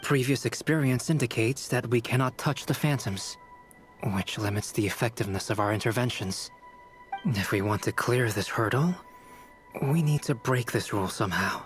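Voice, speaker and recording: A man voicing a measured, formal advisor. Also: medium pitch, natural voice. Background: game music.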